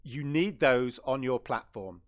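A man's voice: medium pitch, expressive, a little slow. Chatty man rambling on stream. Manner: rambling, chatty, self-correcting. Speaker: gaming channel host. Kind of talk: casual livestream chat.

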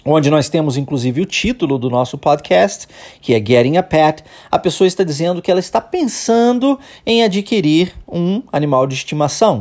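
A Brazilian man hosting an English-lesson podcast, explaining step by step, often checking in with "tá?" and slowly demonstrating sounds. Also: a little high, a little mellow. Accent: Brazilian Portuguese. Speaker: English teacher, podcast host.

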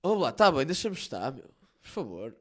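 A man's voice: mid-range voice, very animated, moderate pace, a bit bright. A young man with a European Portuguese accent in casual chat, slangy and full of swearing, trailing off and restarting his sentences.

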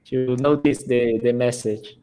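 A man's voice: mid-range voice, fairly even intonation, a little slow, mellow, smooth, low-quality recording. A man hosting a casual online interview in non-native English, laughing often and phrasing things carefully. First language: not English. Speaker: host of an online live interview. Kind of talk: casual live-stream interview.

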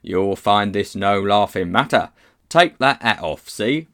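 A self-important storybook policeman, played by a man, stern and officious. He speaks loudly and weightily, as one used to giving orders. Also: fairly low pitch, huge pitch swings. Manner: slow, weighty, commanding.

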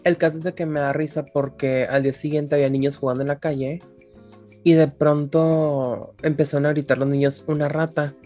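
A woman's voice: low-pitched, steady tone, brisk, mellow, faint music behind. A woman with a Mexican accent telling slangy stories in a casual chat and often laughing, talking over headphones on a remote call. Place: home room, remote call.

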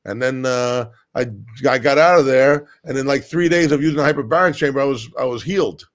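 A man's voice: medium pitch, a little fast. A man talking as a guest in a casual chat, a blunt storyteller who swears freely and fills his speech with "uh" and restarts. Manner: many fillers and restarts. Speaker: podcast guest.

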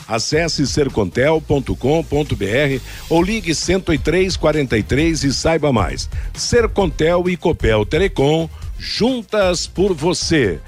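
Brazilian radio man in hard-sell ad mode. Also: on the high side. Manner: hard-sell ad delivery, punchy and insistent. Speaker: radio sports show host and ad reader. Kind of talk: scripted radio ad read. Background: loud music bed.

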